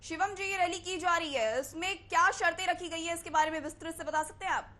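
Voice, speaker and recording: A woman's voice: very high-pitched, fairly quick, sharp tone. A woman news anchor presenting the news and putting questions to a correspondent.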